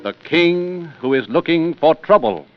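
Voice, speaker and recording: Formal old-time radio announcer, muffled. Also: male voice, fairly high pitch, expressive, a little slow. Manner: formal, showman-like announcer delivery. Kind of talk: 1930s radio narration and interview. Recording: muffled 1930s radio recording with music.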